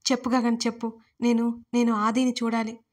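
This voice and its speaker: A woman voicing a desperate, tearful young woman in a storybook reading, pleading in a fairly high, flat-toned voice. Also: moderate pace, close to an everyday voice. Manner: pleading, sobbing delivery.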